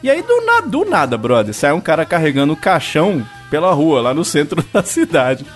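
A playful Brazilian man co-hosts a podcast, slangy and quick to joke. His voice sits a little high and bounces around lively. Faint music runs beneath him. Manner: playful, slangy, news-reading asides. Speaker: podcast co-host. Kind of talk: casual podcast banter.

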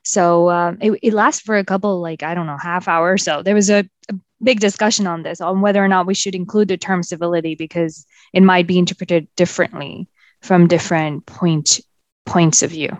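A woman's voice: on the low side, fairly even intonation, a little fast, no echo, muffled recording. A woman co-host from Pakistan talking in a casual panel discussion, hesitant with fillers and restarts. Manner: hesitant, many fillers and restarts, laughs often. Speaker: podcast co-host.

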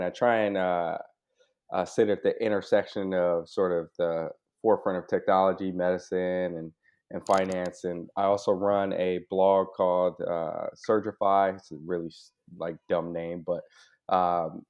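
Born in Hawaii and raised in California, an American man appears as an interview guest, talking about his life casually and candidly with asides that seek agreement. His voice is low with a darkish tone, and the audio is dull and lo-fi.

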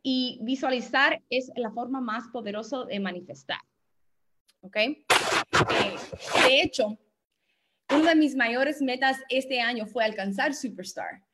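A woman's voice: sits high, measured pace, long pauses, fairly bright tone. A middle-aged woman coach giving a motivational training talk from her home office, speaking Spanish with many English words slipped in. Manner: mixes English words into Spanish, self-deprecating about her Spanish. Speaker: guest speaker and business coach.

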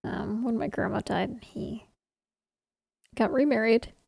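A woman with a husky, gravelly edge to her fairly high voice chats casually as a podcast co-host. She drops dry quips and quiet asides, recorded close and dry. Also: slow pace, no echo. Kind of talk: casual chat.

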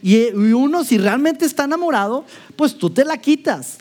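High-voiced Mexican preacher. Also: male voice, lively intonation, moderate pace, a little mellow. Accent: Mexican Spanish. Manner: rhetorical questions, playful role-play asides. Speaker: pastor. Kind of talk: sermon.

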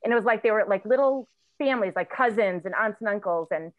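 A woman in her thirties, a recovery coach, speaking candidly as an interview guest, halting with many fillers and restarts. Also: medium pitch, animated, dry recording. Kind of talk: emotional personal storytelling in an interview. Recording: tinny phone-like line, dry.

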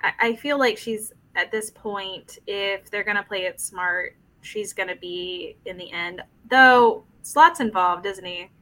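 A woman's voice: mid-range voice, a little slow, hardly any pauses, pushed and bright, low-quality recording. A woman co-hosting a casual comics podcast, tired and emotionally drained, candid and frank, often trailing off. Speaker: podcast co-host. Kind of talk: casual live-streamed comics podcast chat.

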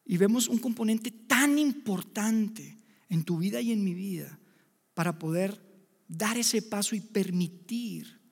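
A male preacher with a high, gravelly voice delivers a sermon to his listeners as friends. He swings from loud emphatic bursts to hushed, near-whispered lines. The sound carries a long reverb from a large hall. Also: unhurried. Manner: addresses listeners directly as friends.

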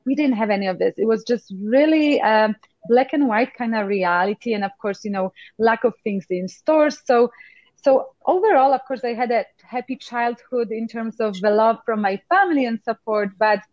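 A woman from Poland with a Polish accent, a coach talking as a podcast guest in a reflective way with many pauses. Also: on the high side, a little mellow, no echo, muffled recording. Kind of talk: conversational interview.

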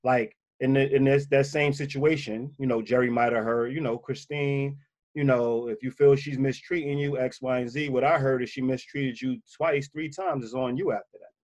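Emphatic man with a bassy voice. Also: fairly even intonation, moderate pace, a little mellow. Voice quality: a little bassy voice. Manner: emphatic, repeats key points. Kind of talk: casual advice talk.

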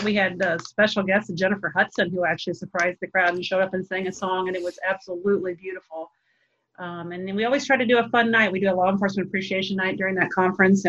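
Casting: female nonprofit spokesperson, mid-pitched, earnest and fluent in interview, slightly muffled lo-fi recording. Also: fairly bright tone. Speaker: nonprofit representative being interviewed. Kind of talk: interview talk explaining programs.

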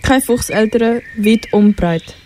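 A woman's voice: on the high side, slow, mellow, a little hiss or hum. Teen girl narrating a radio play. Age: teens.

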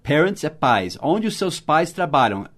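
Brazilian man teaching with slow model phrases. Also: a little high, sing-song, fairly bright tone. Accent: Brazilian Portuguese. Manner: slow, exaggerated model phrases in English between quick explanations. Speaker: English teacher. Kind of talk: podcast lesson for learners.

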